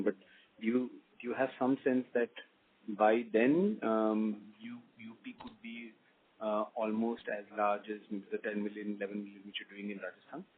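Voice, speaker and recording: A man speaking as an analyst on a conference call, asking questions in a halting way as he thinks aloud. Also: on the low side. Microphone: phone conference call. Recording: tinny narrowband phone line.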